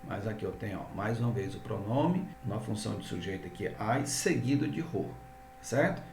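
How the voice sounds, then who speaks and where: A man's voice: medium pitch, creaky, echoey room, distant mic, a little hiss or hum. A man with a Brazilian Portuguese accent, an English teacher explaining grammar step by step and often checking in with his students. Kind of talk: grammar lesson.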